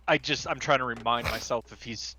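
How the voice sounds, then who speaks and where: A man's voice: mid-range voice, fairly even intonation, brisk, sharp tone, a little hiss or hum. A man chatting casually as a player in a tabletop game, partly speaking in character.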